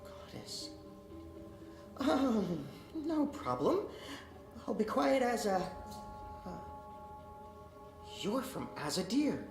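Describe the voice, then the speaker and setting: A man's voice: sits high, big pitch swings, very slow, gravelly, pauses often, heavily acted. A man voicing a nervous, scared and chatty lead engineer in a video game, stammering and rambling. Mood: flustered, awed. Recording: game audio, echoey, music behind.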